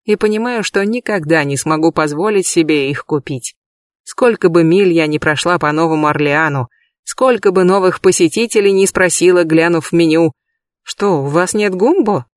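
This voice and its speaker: A man giving a measured, lightly expressive first-person audiobook reading, recorded close in a booth. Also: on the high side, no room sound. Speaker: audiobook reader.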